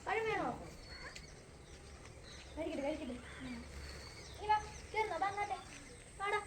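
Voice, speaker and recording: A woman with a very high, light voice coaxes her pet bird in sing-song baby talk. Between coaxes she chats casually to the camera about the bird's habits. The phone recording is outdoors in a garden, with plain outdoor noise behind her. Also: unhurried. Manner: coaxing baby talk to a pet bird, mixed with chatty explanation. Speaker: pet vlogger.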